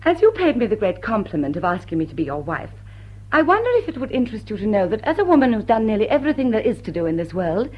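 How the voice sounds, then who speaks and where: A woman's voice: mid-range voice, very animated, fast, lo-fi sound. A woman acting a poised, defiant society jewel thief in classic stage drama, with an arch, theatrical manner. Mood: wry, cool. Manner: arch, theatrical, sharp-tongued.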